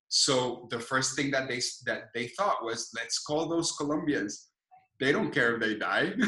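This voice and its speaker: The man's medium-pitched voice carries ordinary pitch variation at a fairly slow pace. Room echo is audible. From Colombia, Cali. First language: Spanish. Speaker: advertising agency founder. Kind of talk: interview.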